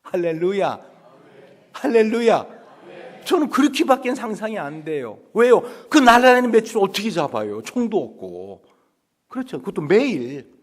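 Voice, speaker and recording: A man preaching a dawn revival sermon, animated and constantly asking the congregation questions. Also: moderate pace. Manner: animated, acts out quails and children in high voices. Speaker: pastor. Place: church sanctuary.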